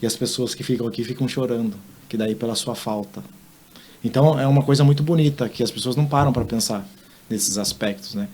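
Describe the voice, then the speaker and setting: Calm explanatory male interview guest. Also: mid-range voice, fairly quick, a little hiss or hum. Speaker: interview guest, physiotherapist and hypnotherapist. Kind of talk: conversational interview.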